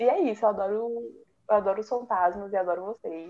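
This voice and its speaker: Speaking at a moderate pace, a woman uses an unremarkable speaking voice of medium pitch with ordinary pitch variation. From Brazil, São Luís, Maranhão. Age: 20s. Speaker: teacher, podcast guest. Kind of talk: casual chat.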